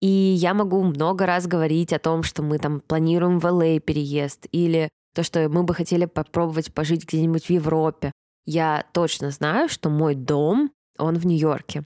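Dark and mellow in tone, a woman speaks with fairly low pitch, fairly even intonation, a moderate pace and very even loudness, in a dry, close sound with no echo. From Moscow, Russia. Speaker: podcast host. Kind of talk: casual Q&A monologue.

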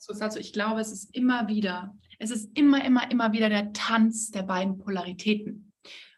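Against noticeable background noise and audible room echo, a woman speaks at a fairly high pitch with fairly even intonation. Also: moderate pace, big swings in loudness. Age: 20s. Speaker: therapist. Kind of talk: casual chat.

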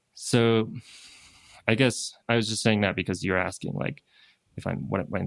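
This voice has vocal fry and moves at a moderate pace. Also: man. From East Coast of Canada. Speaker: freelance writer. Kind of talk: casual interview conversation. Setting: remote call over the internet.

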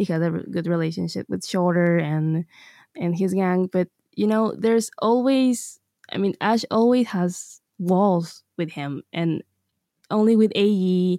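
This woman has a non-native accent, a medium pitch and ordinary pitch variation, talking at a fairly slow pace in a dry, close sound with no echo on a very clean recording with a silent background. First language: not English. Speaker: manga fan guest. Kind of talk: casual chat. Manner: halting.

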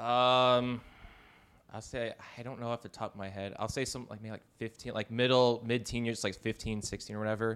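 Monotone, flat intonation comes through on a very clean recording with a silent background. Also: man, medium pitch for a man, moderate pace. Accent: American. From Georgia, US South. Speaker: podcast guest. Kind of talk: casual chat.

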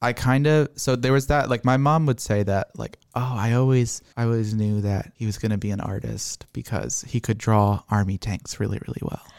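A man with a normal speaking voice and a medium pitch talks at a moderate pace with ordinary pitch variation and hardly any pauses. The recording is very clean, with a silent background. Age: 20s. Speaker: artist. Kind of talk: casual interview.

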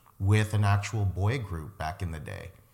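A somewhat breathy man speaks at a moderate pace in a fairly low pitch. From Montreal, Quebec. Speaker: singer and music producer. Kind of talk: interview.

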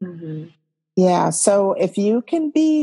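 A woman's medium-pitched, dark and mellow voice, somewhat breathy, with lively intonation. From California, military town. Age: 50s. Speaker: farmer and author. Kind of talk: interview.

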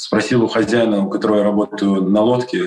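A man talks with a non-native accent at a medium pitch. His pace is fairly quick and his pitch variation ordinary. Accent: non-native Russian. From Israel. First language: Hebrew (speaking Russian). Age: 40s. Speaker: real estate broker. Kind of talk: interview.

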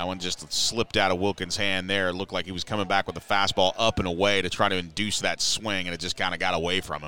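A man with a very deep, low pitch rushes along at a very fast pace with hardly any pauses. His intonation is monotone and flat, and there is noticeable background noise. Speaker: sports play-by-play announcer. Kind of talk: live sports commentary, play-by-play. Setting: press box at ballpark, streamed live.

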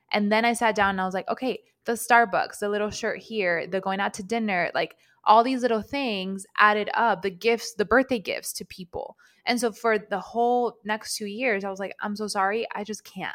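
Delivered at a moderate pace, an unremarkable speaking voice keeps a fairly even intonation. Everything is very clean, and the background is silent. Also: woman, fairly high pitch for a woman. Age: 20s. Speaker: lifestyle podcast co-host and wedding photographer. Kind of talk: casual chat.

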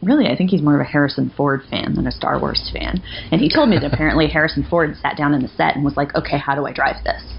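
Over noticeable background noise, a woman talks at a very fast pace with hardly any pauses. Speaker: podcast co-host. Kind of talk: casual chat. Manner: cheerful.

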